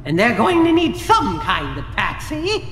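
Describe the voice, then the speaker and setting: A condescending villain boss in a fantasy audio drama. The voice is high and swoops wildly, drawn out in a theatrical drawl that rings through an echoey hall. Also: male voice, huge pitch swings, measured pace, a bit bright, heavily acted. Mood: scheming. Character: scheming, condescending villain in command. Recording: echoey hall with faint ambient noise.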